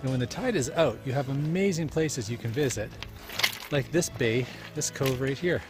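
Over music, a forties-aged geocaching vlogger narrates his travel vlog in an upbeat, playful tour-guide manner, his mid-range voice at normal speed. He's outdoors on seaside and trail spots, recording himself on a handheld camera at arm's length.

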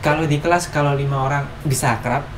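A man's voice: a little high, steady tone, fast talker. A young man hosting a casual vlog chat and asking questions. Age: young adult. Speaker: vlog host. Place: small home kitchen, indoors. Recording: echoey kitchen, noticeable background noise.

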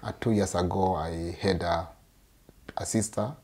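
A middle-aged man from Kenya, a speech therapist, explaining treatment in an earnest, halting way in a small office, recorded by a camera across the desk. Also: sits low, steady tone, gravelly, a little mellow, a little hiss or hum. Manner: earnest, repeats yes often, halting phrasing. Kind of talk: explaining in an interview.

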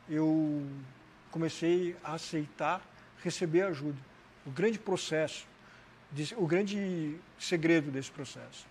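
Slight background noise accompanies this high-pitched man in his forties, a motivational speaker from Santa Catarina in southern Brazil with the region's accent. Interviewed in an indoor TV studio and picked up by a lapel mic, he recounts his life story conversationally, sprinkling in "né" and "cara".

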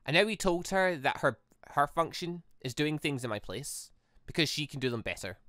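A let's player voicing an earnest, devoted young female android, reading a visual novel aloud with halting delivery. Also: medium pitch, animated, a bit bright, dry recording, clean studio sound, natural voice. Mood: reflective.

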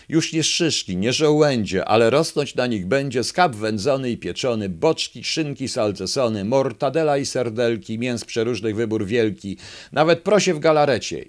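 Guy putting on a crafty fox politician, boastful and loud, rhymes everything. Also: mid-range voice, natural voice. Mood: wheedling. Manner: rhyming pompous campaign speech, raised and louder. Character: sly scheming male fox running for president.

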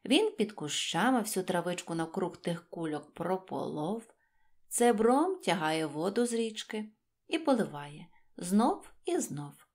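A woman storyteller narrating a rhymed children's tale in an expressive style. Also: lowish voice, a little slow. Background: faint music.

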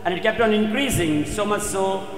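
A man preaching a sermon as a Catholic priest, in a solemn, emphatic and dramatic way with repeated phrases and pauses. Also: sits high. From India. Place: inside a church. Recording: echoey church hall, faint background noise.

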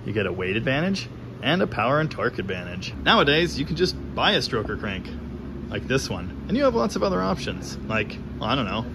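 Animated man explaining engine work. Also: mid-range voice, noisy background. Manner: animated, wry, talks with his hands while showing parts. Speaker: host of a garage engine-building channel. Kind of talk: casual explanatory workshop commentary. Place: cluttered home garage workshop, indoors.

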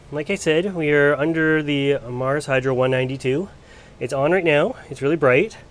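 A man's voice: mid-range voice, smooth. Male grower, recovering from a cold, chatty and unpolished, off-camera handheld vlog voice. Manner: chatty, loose, lots of ums and restarts. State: getting over a cold. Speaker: plant grower showing his collection. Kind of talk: casual filmed walk-through. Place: indoor grow area under bright lights.

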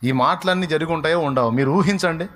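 A man preaching a sermon in a voice. His voice sits fairly high and he jumps between loud, emphatic questions and quieter, mimicked voices of gossiping people. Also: fast talker. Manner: acts out crowd voices in shifting pitch and volume. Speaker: pastor.

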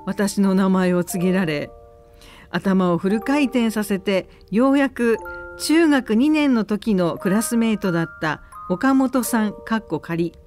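A woman presents on the radio, reading a listener's letter in a conversational style. Her voice sits at a middling pitch for a woman, with faint music underneath. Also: measured pace, a little mellow. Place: radio studio.

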